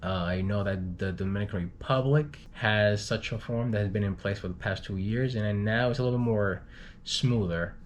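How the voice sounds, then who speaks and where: A man reading news items informally with his own commentary, in a halting way, stumbling over and repeating words. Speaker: news reader for an expat community channel. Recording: clearly noisy home recording with low rumble.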